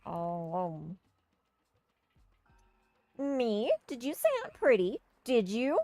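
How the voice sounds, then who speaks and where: A woman's voice: very animated, slow pace, mellow, no echo, faint music behind. Playful woman streamer with a dry close mic. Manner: playful, shifts into goofy high voices for characters. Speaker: streamer reading game dialogue aloud. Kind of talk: casual let's-play with read-aloud character voices.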